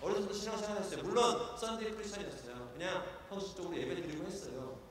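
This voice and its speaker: Earnest pastor preaching in an echoey hall. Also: male voice, high voice, racing, slight background noise. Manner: earnest preaching, swings from hushed pleading to loud exhortation. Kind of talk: sermon. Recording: echoey church hall, voice from far off.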